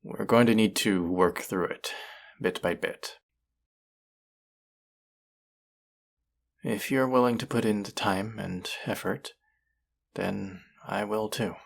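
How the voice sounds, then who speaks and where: A man playing a young chef in an intimate audio roleplay, a combative, exasperated rival with an earnest, tender side and a gravelly, halting delivery. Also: lowish voice, fairly even intonation. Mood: relieved, gentle.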